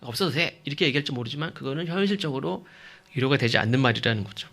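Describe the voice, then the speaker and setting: A man preaches very fast in a mid-range, fairly bright voice with vocal fry and lively intonation. As pastor he is emphatic, asking rhetorical questions and checking in with those listening.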